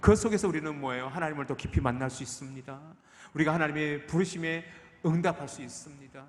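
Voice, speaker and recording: This man talks very fast at a fairly high pitch, his loudness rising and falling sharply. The room adds an audible echo. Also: ordinary pitch variation. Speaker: pastor. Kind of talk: sermon. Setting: church.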